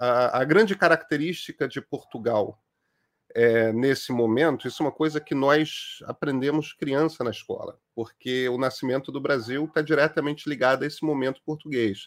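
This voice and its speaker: A man with a normal speaking voice, fairly high in pitch, at a moderate pace with ordinary pitch variation, in a very clean recording with a silent background. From Brazil. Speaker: podcast host, editor-in-chief. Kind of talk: interview.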